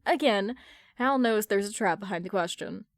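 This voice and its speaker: A woman reading fan fiction aloud in an expressive, colloquial storytelling style. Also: mid-range voice, normal speed, no echo, studio quality.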